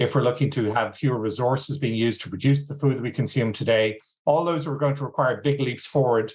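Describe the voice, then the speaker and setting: In an Irish accent, the speech races at a very fast pace with fairly even intonation over a quiet background. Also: man. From Ireland. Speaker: agtech investment executive. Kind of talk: panel interview.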